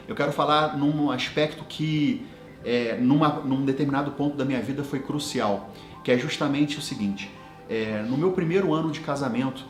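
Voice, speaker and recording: A man in his thirties, a business coach, giving a motivational talk to leaders and telling personal stories with lively quoted dialogue. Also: mid-range voice, roomy sound.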